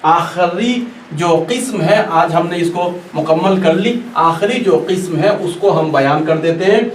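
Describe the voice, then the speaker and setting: A man's voice: sits high, unhurried. A man teaching a Quran recitation class, patiently repeating and stretching out each example word. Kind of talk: classroom lesson. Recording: echoey room, distant mic, faint noise.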